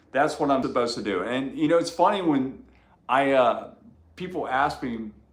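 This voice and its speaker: With audible room echo around him, a man with a fairly high pitch talks in an American accent. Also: ordinary pitch variation, moderate pace. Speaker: guitar shop owner and streamer. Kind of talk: live stream chat. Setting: live stream. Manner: casual, rambling with fillers.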